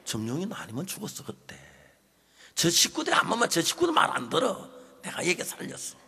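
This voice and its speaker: A man's voice: a little high, wildly swooping pitch, fairly quick, creaky, sharp tone, breathy edge, full character voice. A man voicing his stubborn, boastful elderly father with a Gyeongsang accent, speaking emphatically and indignantly. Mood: proud. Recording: long reverb of a large hall.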